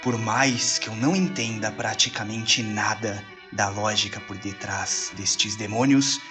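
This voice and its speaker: Man playing a slow, solemn demon-hunting priest. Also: fairly low pitch, over music, lightly acted. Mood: solemn unease. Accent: Brazilian. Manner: solemn, measured. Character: troubled, resolute priest who studies demons. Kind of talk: audio drama trailer monologue. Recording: loud musical score underneath.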